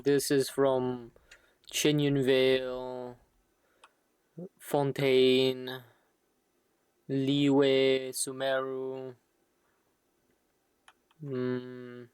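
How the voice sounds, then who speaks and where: A woman's voice: a bass voice, darkish tone, clear, resonant tone, dry recording. A woman live-streaming a game with casual, blunt, offhand reactions into a close mic.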